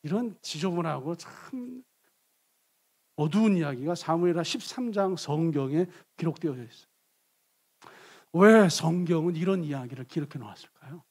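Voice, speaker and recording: Husky man preaching, high voice, goes from loud to almost a whisper. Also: animated, moderate pace. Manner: dramatic preaching, swinging from shouts to hushed tones. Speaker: pastor. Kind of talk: sermon.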